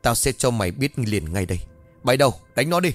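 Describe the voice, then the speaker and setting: A man voicing a cruel, sharp-tongued older woman who rules a household, in a spoken ghost story. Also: mid-range voice, big pitch swings, fast, soft background music. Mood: menacing. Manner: harsh, sharp-tongued scolding.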